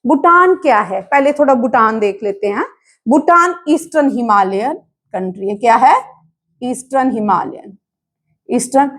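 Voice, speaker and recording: A woman's voice: a little high, expressive, moderate pace, fairly bright tone. A woman teacher giving an exam-prep lesson, drilling her students by asking a question and then answering it herself, mixing English terms into her speech. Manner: mixes English terms into Hindi.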